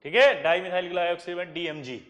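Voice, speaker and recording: A man's voice: sits high, quick pace, a bit bright. A man teaching chemistry in a classroom lecture, drilling students with repeated questions and answers. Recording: echoey classroom with long reverb.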